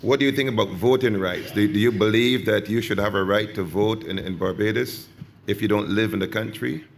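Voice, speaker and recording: A man's voice: fairly low pitch, fairly quick, creaky, a little hiss or hum. A man moderating a public consultation, probing and pushing speakers to give their opinions. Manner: probing, pushes for answers. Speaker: commission chair leading the session. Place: community meeting hall.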